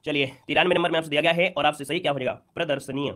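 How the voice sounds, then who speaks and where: A man's voice: a little high, steady tone, very fast, a bit bright. A man teaching an exam-prep lesson, who repeats each point and keeps checking with rhetorical questions.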